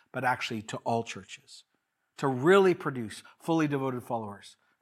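On a very clean recording with a silent background, a man uses a normal speaking voice at medium pitch and a moderate pace. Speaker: pastor. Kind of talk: sermon; fervent closing prayer, sermon. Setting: church. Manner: earnest, pleading, fervent.

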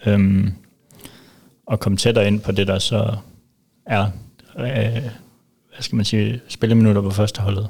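A man's somewhat breathy voice, fairly low in pitch, monotone and flat, at a fairly slow pace with long, frequent pauses. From Denmark, Silkeborg (central Jutland). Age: 20s. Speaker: retired footballer. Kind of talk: interview. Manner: halting.

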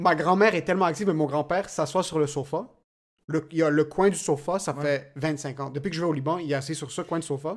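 A man's very fast, animated voice, fairly high-pitched, on a very clean recording with a silent background. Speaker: comedian. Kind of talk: casual chat.

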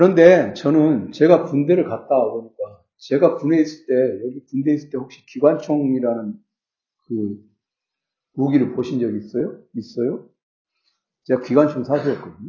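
At a moderate pace, a man with a fairly high, somewhat breathy voice speaks with ordinary pitch variation and long, frequent pauses. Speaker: philosophy lecturer. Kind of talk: lecture. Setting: church hall with audience.

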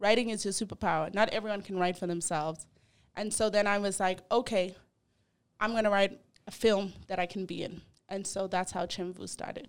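Speaking at medium pitch with fairly even intonation, a woman talks with an American accent. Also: fairly quick pace. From Uganda. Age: 30s. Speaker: actor, writer and filmmaker. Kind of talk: casual interview. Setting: studio.

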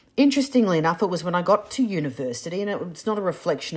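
Her voice sits at a medium pitch, and the woman's speech moves in very wide pitch swings. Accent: Australian. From New South Wales South Coast, Australia. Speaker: university chancellor and medical doctor. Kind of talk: interview.

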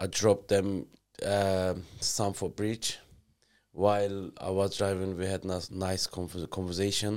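In a Turkish accent, a man with a very deep, low pitch speaks fairly slowly and in a flat monotone. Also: very clean recording, silent background. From Turkey, Gaziantep. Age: 40s. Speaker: taxi driver. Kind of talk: casual chat.

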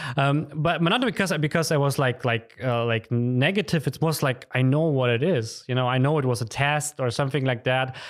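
A man with a German accent, fairly high-pitched, at a fairly quick pace with hardly any pauses, very even loudness and ordinary pitch variation, in a very clean recording with a silent background. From Germany. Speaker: podcast host. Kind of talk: interview. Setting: studio, in person.

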